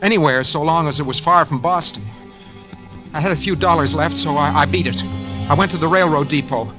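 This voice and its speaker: A man's voice: fairly high pitch, fairly quick, close to an everyday voice. An actor playing a tired, scared swindler who stammers through his confession in a 1940s radio play. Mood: weary. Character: broke swindler man, tired, cracking up. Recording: old radio broadcast with music.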